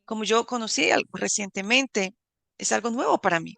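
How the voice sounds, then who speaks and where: A woman's voice: medium pitch, animated, brisk, vocal fry, a bit bright, no echo. A young woman from Ecuador giving an earnest, fervent religious testimony as a church volunteer. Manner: earnest, fervent, repeats pious phrases.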